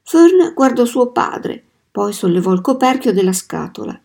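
Woman reading a kids' novel out loud, warm mellow voice, measured and expressive. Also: fairly high pitch, gravelly. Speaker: storybook reader. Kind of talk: reading a children's novel aloud.

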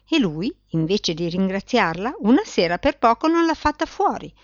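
A woman's voice: medium pitch, no echo, dull audio. A woman reading aloud, voicing a bald, red-faced middle-aged man who grumbles with indignation.

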